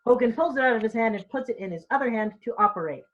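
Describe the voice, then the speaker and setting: A woman's voice: a little high, animated, rapid-fire, muffled recording, a little hiss or hum. A woman reading stage directions in an informal read-through, tripping over and repeating words now and then.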